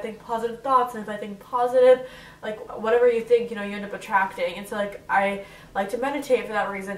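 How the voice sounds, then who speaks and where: A woman's voice: on the high side, roomy sound, far from the mic, slight background noise, rough recording. A young woman in her twenties with a stuffy, congested nose, chatting casually to camera in a Q&A vlog and filling her talk with "like". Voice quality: nasal. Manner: chatty, full of "like" fillers. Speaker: vlogger. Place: bedroom, on her bed.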